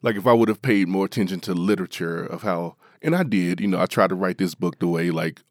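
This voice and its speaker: Low-voiced animated man, dry sound. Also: fast, no echo. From Appalachia. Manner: animated, chatty, laughs often, many fillers. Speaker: author. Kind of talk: interview guest.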